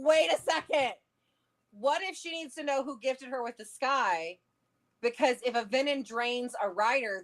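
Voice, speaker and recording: A woman chatting casually and excitably, theorizing and thinking aloud as co-host of a livestream. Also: high-pitched. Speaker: co-host of a book read-along livestream. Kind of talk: casual chat, theorizing about a fantasy novel.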